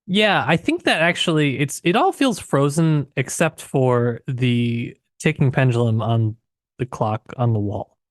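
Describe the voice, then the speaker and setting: A man's voice: mid-range voice, lively intonation, measured pace, dry recording, studio quality. A man co-hosting a casual literary discussion, conversational and tentative as he thinks aloud. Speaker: podcast co-host.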